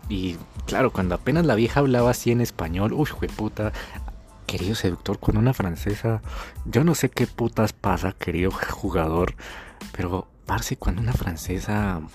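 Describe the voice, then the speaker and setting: Slangy young Colombian man, low voice. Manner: slangy, animated, swearing freely. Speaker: dating coach. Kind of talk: casual storytelling to camera. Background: faint music.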